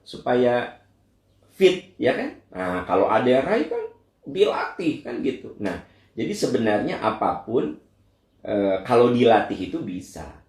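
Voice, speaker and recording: A man's voice: medium pitch, a little slow, reverberant. A middle-aged male Islamic preacher, answering questions in a lecture and talking straight to his listeners. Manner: animated, voice leaps up for emphasis, talks to listeners directly. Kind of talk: Q&A religious lecture.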